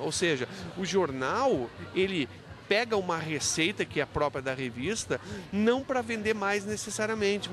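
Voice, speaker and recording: A man explaining things in a spontaneous interview, didactic, posing rhetorical questions as he goes. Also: high-pitched. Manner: didactic, with rhetorical questions and frequent self-checks. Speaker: university professor interviewed about his book.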